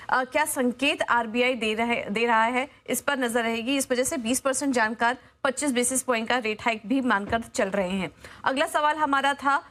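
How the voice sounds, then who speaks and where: A young woman reporter speaks live on a business news channel, her voice set a little high. She stalls often, filling gaps with drawn-out "uh" sounds and restarting words mid-phrase. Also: fairly bright tone. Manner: hesitant, many filler sounds and restarts.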